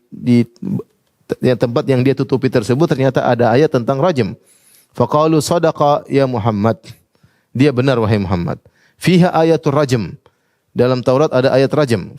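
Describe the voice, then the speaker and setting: A man's voice: medium pitch, fairly quick, darkish tone, dry recording, studio quality. Man preaching, Arabic quotes translated. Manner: quotes Arabic passages then translates them, asks the audience questions. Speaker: Islamic preacher. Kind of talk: religious lecture.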